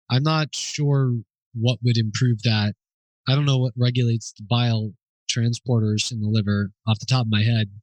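A man's voice: medium pitch, no room sound, rough recording. Hesitant man thinking aloud. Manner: thinking aloud, hesitant, with fillers and self-corrections; informal and explanatory. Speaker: host answering listener questions. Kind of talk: unscripted question-and-answer.

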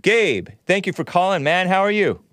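A man's voice: high-pitched, big pitch swings, normal speed, a bit bright, dry recording. A man in his thirties hosting a call-in talk show, chatting casually and bluntly with slangy phrasing. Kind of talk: casual call-in commentary and caller chat.

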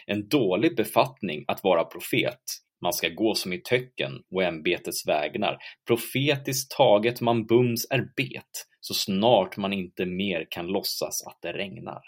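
A man reading aloud as Peer Gynt, a boastful, self-justifying man, in measured, rhythmic verse. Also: sits low, expressive. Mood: musing.

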